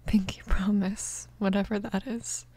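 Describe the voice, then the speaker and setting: Young female mafia boss, acted by a woman, ASMR roleplay, husky, breathy half-whispers, protective, tender, commanding. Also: medium pitch, flat delivery, a little slow, mellow. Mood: tender, reassuring.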